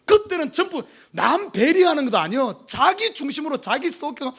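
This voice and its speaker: High-pitched, animated male pastor preaching. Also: moderate pace, vocal fry. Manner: emphatic, asks the congregation rhetorical questions; swings between loud urgent pleas and hushed low asides. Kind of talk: sermon. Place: church service.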